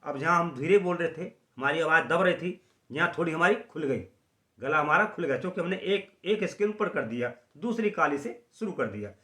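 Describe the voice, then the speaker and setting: A man teaching a singing lesson at the harmonium, slowly explaining notes and singing short chant phrases. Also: a little high, lively intonation, fairly bright tone, roomy sound. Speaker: music teacher.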